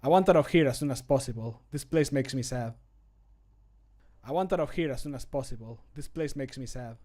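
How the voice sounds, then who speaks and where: A man's voice: mid-range voice, a little fast, mellow, lightly acted. A man voicing a melancholic, empathetic male adventurer for a fantasy game mod, in a subdued, wistful delivery. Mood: sad, subdued. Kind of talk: amateur game voice acting.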